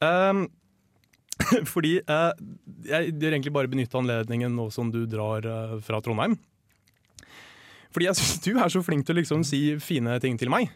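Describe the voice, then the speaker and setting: A young man co-hosts a comic radio chat, full of playful, mock-serious advice that can turn candid and earnest. His mid-pitched voice sits close and dry against the microphone, with no room sound around it. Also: animated, dry recording. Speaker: podcast co-host.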